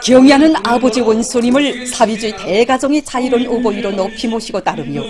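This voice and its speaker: A woman's voice: fairly high pitch, fairly quick, crowd noise. A woman with a North Korean accent reading scripted television news in a solemn, formal, declamatory manner. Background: music under the narration.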